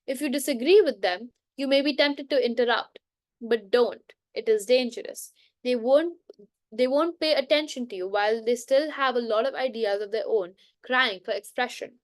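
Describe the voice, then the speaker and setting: A woman's voice: on the high side, no room sound. Woman reading aloud, stumbling. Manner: halting reading with frequent restarts and self-corrections. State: coughing now and then. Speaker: book reader. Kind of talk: unscripted bedtime book reading.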